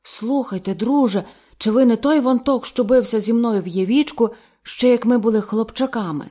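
A polite, nostalgic middle-aged businessman read by a woman narrator. His lines rise in lively, eager exclamations, courteous and sentimental in a storybook reading. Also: on the high side, moderate pace, voice pushed up, natural voice.

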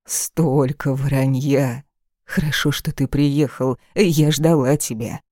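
Reader as a stern old grandmother, slow deliberate speech, mellow dark tone, dry audiobook sound. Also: very deep voice, fairly even intonation, dry recording, exaggerated voice. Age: older.

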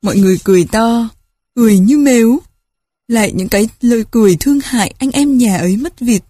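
Female audiobook narrator with a somewhat high, husky voice, reading in measured short phrases. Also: mellow, dry recording, studio quality. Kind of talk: scripted storybook narration.

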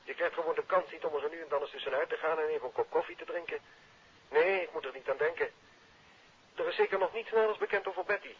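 A man acting an aggrieved, talkative bank employee with a husky voice, heard through a telephone in a 1950s radio serial. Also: fairly high pitch, fast talker. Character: male bank employee, aggrieved, wordy, uneasy. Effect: telephone filter. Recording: thin, narrow telephone-style old radio sound.

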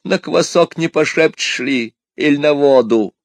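A man's voice: fairly high pitch, lively intonation, a little fast, dry recording, voice pushed up. A man voicing a put-upon peasant wife in a folk tale, pleading and lamenting.

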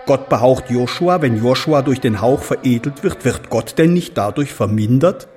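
An actor playing an embattled, zealous early Christian follower, declaiming solemnly in archaic language for a radio drama. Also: male voice, medium pitch, expressive, moderate pace, a little mellow, soft background music, close to an everyday voice. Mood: indignant.

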